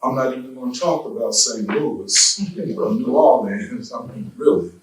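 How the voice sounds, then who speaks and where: A man with an African American English accent, giving a slow, deliberate speech in a church, with rhetorical questions to the congregation. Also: medium pitch, a little hiss or hum. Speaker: guest speaker. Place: church hall. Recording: echoey hall from far off.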